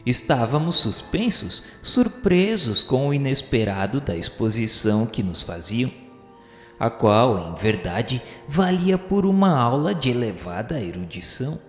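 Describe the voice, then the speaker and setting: A man narrating a radio novel in a measured, solemn literary reading. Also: mid-range voice, sing-song, fairly bright tone. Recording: roomy reverberant sound with music bed. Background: music.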